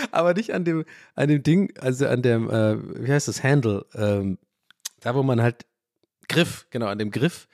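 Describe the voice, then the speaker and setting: A man hosting a podcast, talking in a rambling, animated way, often interrupting himself and laughing. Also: medium pitch, a little slow, pauses often, no echo, clean studio sound. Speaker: podcast host. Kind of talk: casual podcast monologue.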